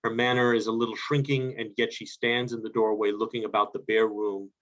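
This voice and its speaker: A man's voice: lowish voice, flat delivery, fairly quick, a bit bright. A man reading stage directions as scripted narration for a play, over a video call. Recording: dull video call audio.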